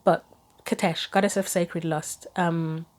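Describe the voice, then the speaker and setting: A woman giving a chatty solo tarot reading and reading guidebook passages aloud, her voice going hoarse. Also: lowish voice, steady tone, a little slow, a little mellow. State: losing her voice, throat going. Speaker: tarot reader.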